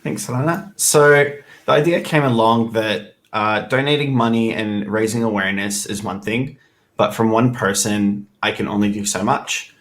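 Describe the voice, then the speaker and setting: A man's voice: lowish voice, steady tone, moderate pace. A man appearing as a guest, speaking plainly and earnestly in casual chat.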